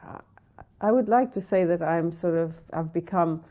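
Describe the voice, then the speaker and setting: A woman from Iraq telling stories in an interview, animated, acting out the voices of people she quotes. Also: on the low side, moderate pace. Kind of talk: interview recollection. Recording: tinny phone-like sound.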